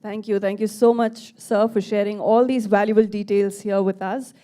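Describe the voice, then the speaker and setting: A woman's voice: mid-range voice, steady tone, moderate pace, warm tone. A woman hosting a press event on stage, compering formally and effusively and addressing guests politely. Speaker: event host.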